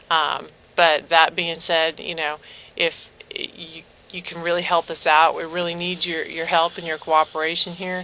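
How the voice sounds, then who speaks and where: Through noticeable background noise, a woman speaks with a fairly low pitch and monotone, flat intonation at a moderate pace. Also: big swings in loudness. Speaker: police detective. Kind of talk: police interview. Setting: police interview room.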